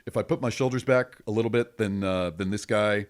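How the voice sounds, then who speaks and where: A middle-aged man with a deep voice, an improv performer and teacher talking casually in a podcast interview, often acting out bits of scenes. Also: no echo, clean studio sound. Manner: animated, acts out quick bits of scenes with laughs.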